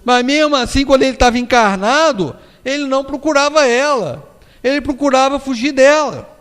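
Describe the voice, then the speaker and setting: Brazilian male lecturer, high voice, animated storyteller, echoing hall. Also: brisk, clean tone. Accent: Brazilian Portuguese. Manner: storytelling, acts out quoted voices, frequent tag questions. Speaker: spiritist lecturer. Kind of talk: public lecture with anecdotes. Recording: long hall reverb.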